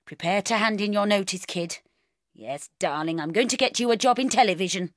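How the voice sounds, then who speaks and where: A woman with a British accent voicing a brisk, bossy middle-aged mother who talks in an emphatic, gushing way in an audiobook. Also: mid-range voice, dry recording, clean studio sound, natural voice.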